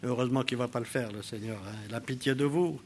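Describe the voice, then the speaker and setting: An older man preaching a sermon, addressing the congregation with rhetorical questions, swinging between loud exclamations and quiet asides. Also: medium pitch, fast talker.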